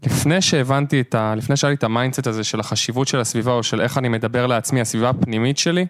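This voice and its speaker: A man hosting a podcast, reflecting on his own habits in casual chat and thinking out loud. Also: mid-range voice, steady tone, dry recording. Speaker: podcast host.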